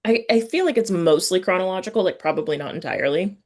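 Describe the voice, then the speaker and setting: A woman's voice: fairly low pitch, animated, quick pace, darkish tone. A woman interviewer chatting casually and informally as she puts questions to her guest. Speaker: interviewer, host.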